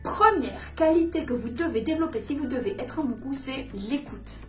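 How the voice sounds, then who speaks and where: A woman's voice: high-pitched, expressive, moderate pace, a little mellow, faint music behind. A woman coach talking casually to camera in a hyped-up, over-caffeinated way with emphatic bursts. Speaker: dating and seduction coach presenting her channel. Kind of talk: casual vlog explainer to camera.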